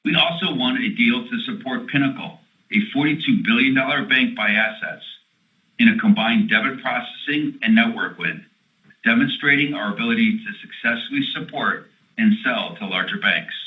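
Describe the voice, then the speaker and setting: A man in an executive role gives a scripted corporate financial presentation, reading figures in a formal, measured way. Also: medium pitch. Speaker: company executive presenting earnings. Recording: tinny phone-line conference call.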